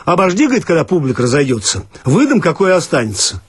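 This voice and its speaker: A man voicing a gruff, stubborn male bathhouse attendant, curt and bureaucratic in a radio play. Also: fairly high pitch, huge pitch swings, racing, no room sound, studio quality, pitched above the performer's own voice, heavily acted. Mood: stubborn refusal.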